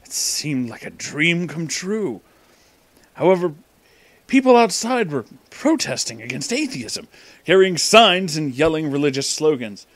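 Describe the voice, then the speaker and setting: A man's voice: a little high, very animated, unhurried, no room sound. A man narrating a comic story aloud in a dramatic reading style, as the show's reader.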